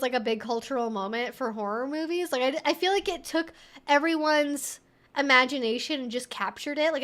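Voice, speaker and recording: A woman with a high-pitched voice hosts a casual livestream. She talks in a conversational, emphatic way, thinking aloud as she responds to viewer comments. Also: a bit bright. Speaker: livestream host.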